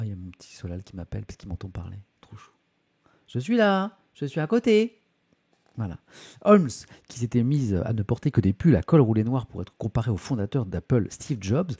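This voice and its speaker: A man's voice: lowish voice, dark tone, husky. A man hosting a casual live-stream press review, reading articles aloud with chatty asides to his viewers and plenty of hesitation sounds. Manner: chatty, many fillers, reads articles aloud with asides to chat.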